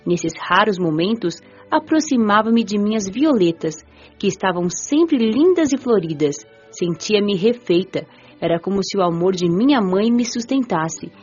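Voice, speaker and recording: Gentle young woman spirit, muffled sound. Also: mid-range voice, husky. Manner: measured, earnest, careful storytelling. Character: gentle curious young woman spirit narrating her afterlife. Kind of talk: radio drama first-person narration. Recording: muffled audio with music underneath.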